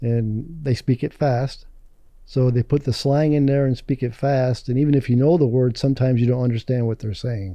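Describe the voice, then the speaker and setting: A man with an American accent, a plain, everyday voice, medium pitch, a moderate pace and fairly even intonation. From United States. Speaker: retired military, expat. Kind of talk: casual chat. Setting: studio.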